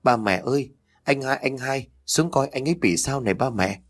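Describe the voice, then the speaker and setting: A man's voice: lively intonation, moderate pace, slightly rough. A timid young village girl pleads in a raised, anxious voice with a lilt, as a male storyteller puts her on. Her voice rides well above a man's usual talk and swings widely. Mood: panicked. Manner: anxious, pleading, high-pitched.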